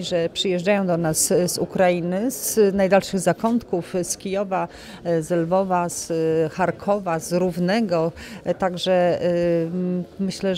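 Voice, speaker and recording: A woman in her fifties speaks into a handheld interview mic with a low, mellow voice. She talks deliberately, with occasional hesitations. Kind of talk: interview answer.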